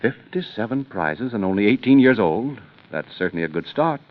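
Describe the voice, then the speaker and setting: A man's voice: on the low side, expressive, moderate pace. A man hosting a 1930s radio program, narrating oddities and interviewing a guest in a formal, showman-like announcer style. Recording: muffled 1930s radio recording with music.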